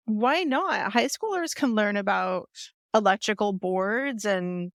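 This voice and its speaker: A woman's voice: medium pitch, slow, no echo. A woman guest on a podcast, speaking earnestly and thinking aloud about her work. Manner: earnest, thinks aloud with fillers like "you know". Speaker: guest, software company founder. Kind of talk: casual conversation.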